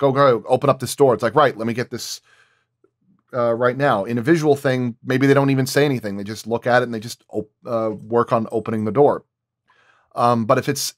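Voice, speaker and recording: A man's voice: mid-range voice, no room sound, clean studio sound. A man speaking as a sound designer in a roundtable, thinking aloud and repeating and rephrasing as he explains his craft.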